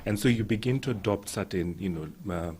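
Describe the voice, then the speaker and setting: A man on a talk show, explaining his views in a measured way with many "you know" fillers. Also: on the low side, a little mellow, slight background noise. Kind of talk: reflective discussion on a talk show.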